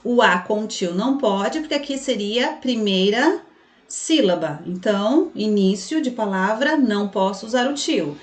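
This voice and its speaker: A woman's voice: medium pitch, lively intonation, a little slow. A woman teaching a children's spelling lesson online, patiently explaining step by step and voicing the pupils' questions herself. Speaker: primary school teacher. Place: room with a passing truck heard outside. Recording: echoey room.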